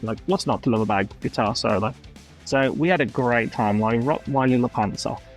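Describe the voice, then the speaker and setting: A man's voice: medium pitch, a little fast, soft background music. A man co-hosting a casual podcast, enthusiastic and teasing, swearing casually. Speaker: podcast co-host. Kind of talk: casual chat.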